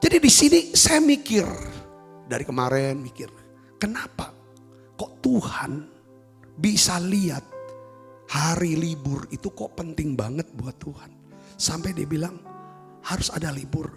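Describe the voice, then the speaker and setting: Gravelly, emphatic male pastor preaching. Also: fairly high pitch, big pitch swings, unhurried, long pauses, big-room sound, faint music behind. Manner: emphatic, repeatedly addresses the congregation. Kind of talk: sermon.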